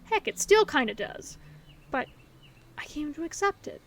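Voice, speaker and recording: Woman acting a high-voiced, gentle, comforting best friend. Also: very animated, moderate pace. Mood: reflective. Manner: earnest, reassuring, conversational. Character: gentle, hopeful female best friend comforting her secret crush. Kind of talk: scripted audio roleplay, intimate one-sided dialogue to the listener.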